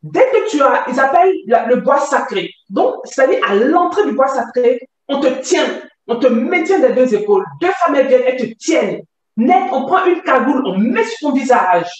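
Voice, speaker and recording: A woman giving an emotional personal testimony, halting and pained, often rising to near shouts. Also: sits high, very animated. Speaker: testimony guest. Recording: echoey room, far from the mic.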